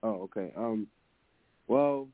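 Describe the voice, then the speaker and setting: A man with a low, deep voice talks casually about his music, pausing and restarting often. The sound is thin and phone-like, and it is dry and close, with no room echo. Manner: relaxed, hesitant, lots of fillers and restarts. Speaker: musician guest. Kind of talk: casual interview answers.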